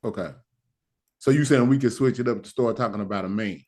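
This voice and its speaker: A man's voice: medium pitch, fairly quick, darkish tone. An American man speaking African American Vernacular English, taking part informally in an online lesson discussion. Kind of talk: casual discussion.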